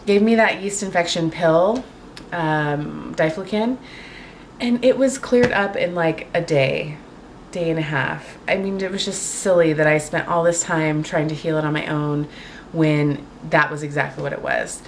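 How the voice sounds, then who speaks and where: A woman vlogging casually to camera at home, chatty and full of fillers, her voice a little raspy from a cold. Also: low voice, a little slow, a little hiss or hum. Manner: chatty, lots of fillers and likes. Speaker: beauty vlogger. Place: home, indoors.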